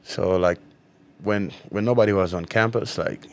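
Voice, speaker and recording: A young man from South Sudan whose first language is Dinka, answering interview questions in a relaxed way with many fillers. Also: low-pitched, moderate pace. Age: young adult. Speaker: college basketball player, guest.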